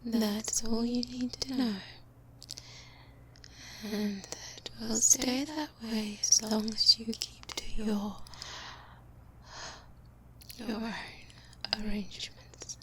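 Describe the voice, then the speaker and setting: A woman acts out a proud vampire lady in an ASMR roleplay, speaking very slowly in a fairly high voice. She is formal and silky, cordial with a threat underneath. The close binaural recording carries clear hiss. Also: fairly even intonation, rough recording. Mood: composed, assuring. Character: proud, composed vampire woman, cordial yet subtly menacing. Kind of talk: soft-spoken ASMR roleplay. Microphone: close-up binaural microphone.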